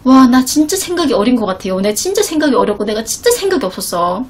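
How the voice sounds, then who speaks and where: A woman's voice: fairly high pitch, big pitch swings, fast talker, slight background noise. A woman voicing her own husband in a retelling, as a grown man pleading and full of remorse. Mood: remorseful. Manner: begging, remorseful.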